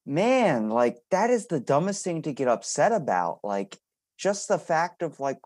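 A man's voice: a little high, big pitch swings, measured pace, darkish tone, no echo, studio quality. A man hosting a casual podcast, talking in a blunt, informal, opinionated way. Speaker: podcast host. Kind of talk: casual chat, opinionated rambling.

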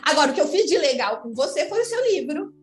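High-voiced São Paulo woman in an echoey room. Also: big pitch swings, quick pace, soft background music. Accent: Brazilian Portuguese, São Paulo. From São Paulo, Brazil. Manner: reflective and frank, thinking aloud. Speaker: guest. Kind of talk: candid conversational interview.

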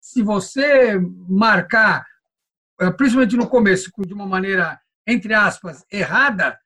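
A man's voice: high-pitched, a little slow, sharp tone. Guy chatting in an interview, explains stuff in a stop-start way, repeats himself. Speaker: voice-over course teacher. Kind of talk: casual conversational interview.

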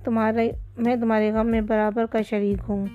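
A woman's voice: a little high, little pitch movement, lo-fi sound, faint music behind, natural voice. A woman voicing a middle-aged male shoe trader who talks in a coaxing, fatherly way, in a storybook reading.

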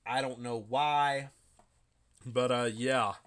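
Bright, clear-voiced young man rambling casually. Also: medium pitch, steady tone, slow. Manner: rambling, loose with many fillers and asides. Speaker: podcast host. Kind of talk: casual solo podcast talk.

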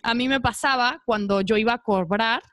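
A former model appearing as a podcast guest tells stories in casual chat, speaking with a Mexican Spanish accent and animatedly acting out quoted voices. Her voice is on the high side at a moderate pace, in a dry recording with clean studio sound.

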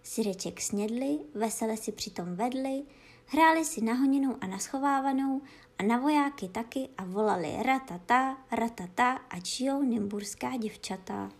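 A woman reading a bedtime story aloud for children in a gentle, slow, sing-song way. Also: fairly high pitch, vocal fry.

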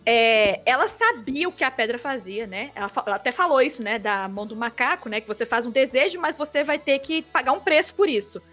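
A woman's voice: on the high side, animated, brisk, a bit bright, faint music behind. A woman with a Brazilian accent arguing earnestly, point by point, in a podcast chat. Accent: Brazilian Portuguese. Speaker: podcast co-host.

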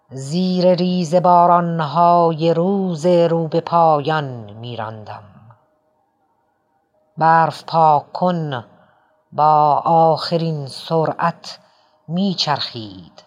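A man reading a novel aloud as an audiobook narrator, expressive, lifting his voice for quoted lines. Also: a little high, muffled recording.

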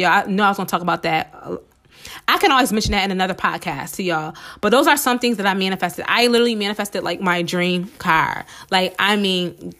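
A woman hosting a casual solo podcast, chatty and encouraging with many fillers, her voice slightly hoarse from a cold. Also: medium pitch, bright, forceful tone. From United States. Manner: chatty and encouraging, many "um"s, addresses listeners as "y'all". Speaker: podcast host.

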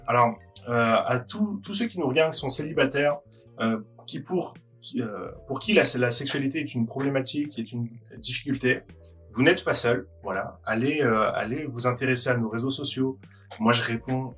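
A man hosting a Christian video talk, encouraging viewers with many halting restarts. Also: mid-range voice, fairly bright tone, faint music behind. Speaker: host of Christian video channel.

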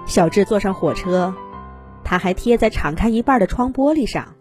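A woman reads a fairy tale to small children. Her delivery is animated and expressive, with a lively, wide-moving pitch. Faint music plays behind her. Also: normal speed. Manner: animated storytelling for young children. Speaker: children's story narrator.

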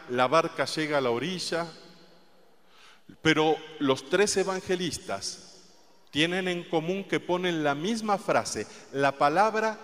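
Slow-speaking preacher man in a reverberant hall. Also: fairly high pitch. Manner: slow, deliberate, soft emphasis on quoted words. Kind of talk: sermon. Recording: long reverb of a large hall.

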